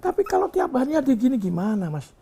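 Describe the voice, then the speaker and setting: A man's voice: very high-pitched, very animated, fast, warm tone, slightly rough. An older man who owns a bus company, speaking in a candid interview and lecturing with rhetorical questions and a scolding tone. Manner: emphatic, preachy, scolding tone with many rhetorical questions.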